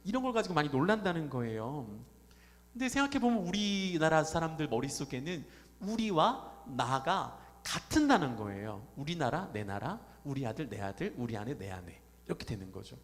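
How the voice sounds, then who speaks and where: In a church sanctuary, a pastor delivers a Sunday sermon in a conversational way, posing questions to the congregation. His voice is on the high side and very animated, at a normal speed, and the hall is reverberant.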